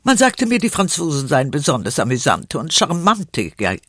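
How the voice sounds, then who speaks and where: An actor playing a courtly, urbane gentleman in a radio play, refined and theatrical. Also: on the high side, wildly swooping pitch, normal speed, noisy background. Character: courtly gentleman making urbane, dry small talk. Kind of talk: audio drama acting in studio outtakes.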